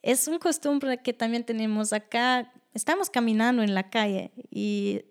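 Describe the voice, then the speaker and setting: A young woman from Germany with a German accent, speaking Spanish as a second language, telling stories from her life in a casual interview and acting out the people she quotes. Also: normal speed. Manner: animated, acts out quoted voices with high pitch jumps. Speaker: guest.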